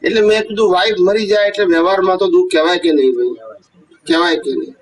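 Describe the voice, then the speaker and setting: Speaking fast in a high voice, a man delivers a devotional talk to a gathering as a spiritual teacher, mixing stories with rhetorical questions and frequent checks that everyone followed. The mic catches him from a distance.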